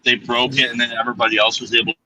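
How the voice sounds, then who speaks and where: A man calling in remotely, his connection cutting out so his speech comes through halting and broken. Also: mid-range voice, flat delivery, bright, forceful tone. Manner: halting, restarts mid-sentence. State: connection breaking up and dropping out. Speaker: remote caller. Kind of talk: casual chat. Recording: distant choppy streamed call with faint noise.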